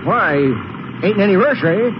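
An actor playing an older, good-natured Texas rancher, chatty and folksy with a rustic drawl, in a 1950s radio drama. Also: male voice, sits high, moderate pace, natural voice. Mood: friendly, chatty. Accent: Texan. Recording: noisy, dull old radio recording.

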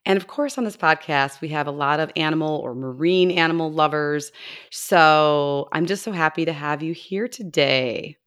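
A woman with a notably low voice hosts a casual podcast interview. She talks with bubbly enthusiasm, often restarting her sentences as she gushes. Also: moderate pace, fairly bright tone, clean tone. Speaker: podcast host.

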